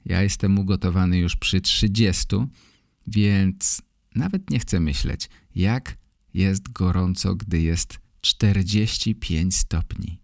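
Slow, deliberate male podcast host, fairly low. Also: vocal fry, dry recording, clean studio sound. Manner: deliberate, short separated phrases. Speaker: podcast host, Polish language teacher. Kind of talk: podcast monologue for language learners.

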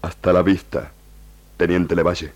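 An actor playing a grave, proud indigenous chieftain who longs for peace, speaking stilted broken Spanish in a radio drama. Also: male voice, sits low, level tone, normal speed, lightly acted. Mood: solemn.

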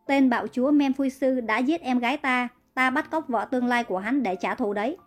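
A woman's voice: high-pitched, a little fast, soft background music, natural voice. A woman reading the part of a cold, commanding young male prince in a narrated story.

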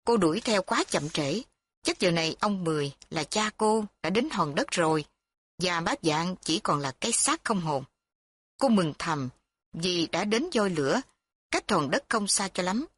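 A woman narrating a story with a steady, even reading. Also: lowish voice, measured pace, breathy edge, no room sound.

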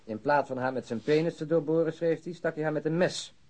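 A man's voice: on the high side, brisk, darkish tone, lightly acted. An actor playing a wry, bookish male detective in a radio drama, with an opinionated, sardonic way of talking. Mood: mocking.

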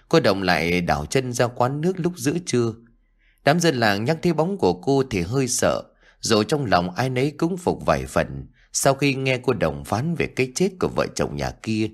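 A man narrating a scripted ghost story with a dramatic, suspenseful delivery. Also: mid-range voice.

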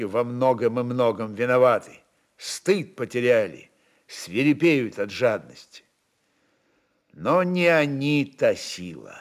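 A man narrating literary prose dramatically, in a brooding, deliberate manner with weighty pauses. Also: medium pitch.

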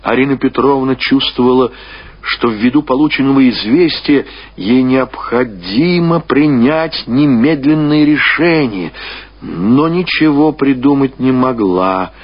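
A male narrator reads literary prose for radio with measured expression and weighty pauses. His mid-pitched voice is husky. The recording is somewhat dull.

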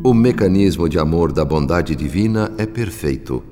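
A man's voice: sits low, lively intonation, moderate pace. A man playing a solemn spirit narrator, reading formal scripted radio drama narration. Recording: long reverb, music underneath. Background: music.

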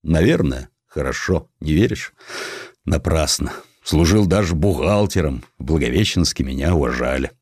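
A man's voice: rumbling low, lively intonation, normal speed, darkish tone, breathy edge, dry recording, clean studio sound, full character voice. A man voicing a guilt-ridden, bitter bankrupt in his forties, mournful and resigned, in an audiobook story. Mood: weary, regretful.

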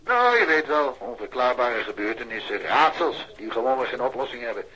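A man's voice: mid-range voice, moderate pace, pushed and bright, slightly rough. An actor playing a resigned, evasive policeman over a telephone line in a radio drama. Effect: telephone filter. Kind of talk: Dutch radio drama acting. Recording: dull, band-limited telephone sound.

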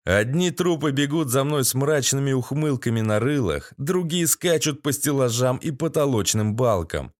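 Male audiobook narrator, sardonic gritty read, mid-pitched, dead-dry studio sound. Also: animated, moderate pace, few pauses, no echo. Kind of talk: first-person audiobook narration.

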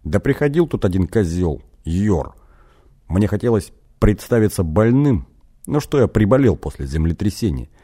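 A man's voice: lowish voice, big pitch swings, moderate pace, warm tone, breathy edge. A man voicing a sheepish young novice sorcerer who answers hesitantly and defensively.

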